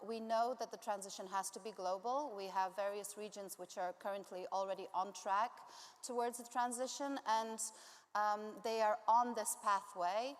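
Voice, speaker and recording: A woman from Zambia giving a conference talk as a climate campaigner, speaking hesitantly with many ums and uhs. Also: mid-range voice. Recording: long reverb of a large hall.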